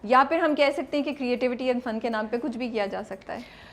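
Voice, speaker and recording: Interviewer: Pakistani woman, higher-pitched, casual and probing, code-switching conversational delivery. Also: a little fast. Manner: mixes Urdu and English, probing.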